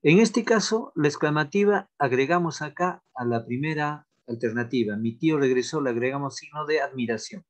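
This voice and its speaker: A man teaching an online grammar class, talking haltingly with many fillers and restarts, and repeating example sentences aloud. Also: a little high.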